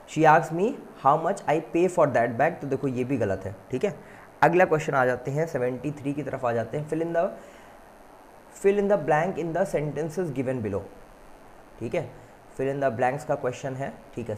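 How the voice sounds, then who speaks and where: Going over an exam-prep paper, this man reads the English questions at a slow pace and gives fast explanations in Hindi, addressing students as "beta." His voice is fairly high, and there's slight background noise.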